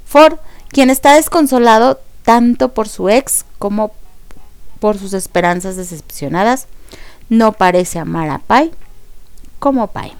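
A young woman with a Mexican accent hosting a radio show, excitedly recapping a series in casual chat. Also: mid-range voice, unhurried, clean tone, no echo. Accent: Mexican Spanish. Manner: expressive, excitable storyteller.

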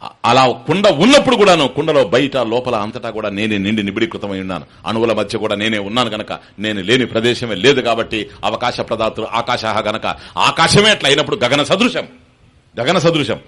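A man's voice: on the low side, a little fast, a bit bright. A man giving a spiritual sermon, asking rhetorical questions and chanting verses. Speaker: spiritual teacher giving discourse. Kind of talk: sermon on scripture.

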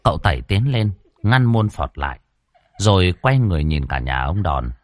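A man narrating a ghost story in a colloquial, expressive way. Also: deep voice, normal speed, no room sound.

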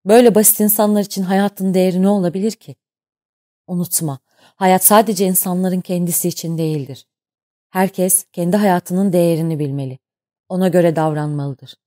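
A woman's voice: on the low side, fairly even intonation, moderate pace, dark tone, close to an everyday voice. A woman voicing a harsh, domineering male ship captain who barks and scorns in an audiobook. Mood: mocking, cold. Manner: barking, scornful.

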